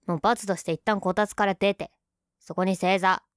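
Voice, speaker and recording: A woman's voice: mid-range voice, steady tone, normal speed, clean tone, no echo, studio quality, close to an everyday voice. A woman playing a young tsundere girlfriend in an ASMR role-play, huffy and sulky but affectionate underneath. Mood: huffy, scolding.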